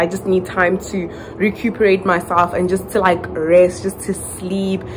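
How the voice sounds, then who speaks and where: A woman's voice over noticeable background noise. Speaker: travel vlogger. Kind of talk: casual vlog chat. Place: home room. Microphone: phone near.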